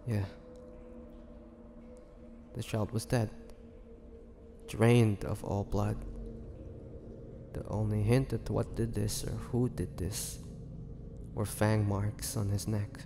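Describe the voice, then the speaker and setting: A man playing a melancholy half-vampire, confiding his past slowly and haltingly in a dramatic audio roleplay monologue. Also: on the low side, flat delivery. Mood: somber. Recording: long reverberant hall, faint noise.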